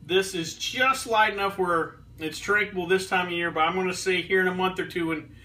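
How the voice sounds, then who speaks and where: A man in his thirties reviewing beer in a relaxed, rambling way, with lots of ums and restarts, filmed in his home kitchen. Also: sits high, fairly quick, far from the mic, rough recording. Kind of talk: casual beer review vlog. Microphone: fixed camera a few feet away.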